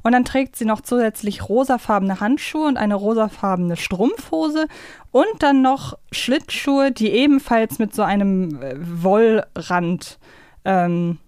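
A woman's voice: mid-range voice, unhurried, darkish tone, clean tone, no room sound, clean studio sound. A woman chatting casually as a podcast co-host.

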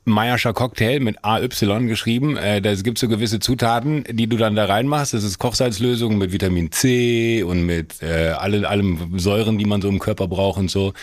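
A man telling stories in a casual podcast chat, animated and joking. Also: lowish voice, no room sound, clean studio sound. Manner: fast, animated joking storyteller. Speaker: podcast guest. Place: on vacation, indoors.

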